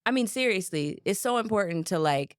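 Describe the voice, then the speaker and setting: A woman in her thirties co-hosting a casual chat with her sister, telling stories in a lively way and acting out quotes. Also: medium pitch, brisk, clean tone, no echo, clean studio sound. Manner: animated storyteller, acts out quotes, laughs easily. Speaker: podcast co-host.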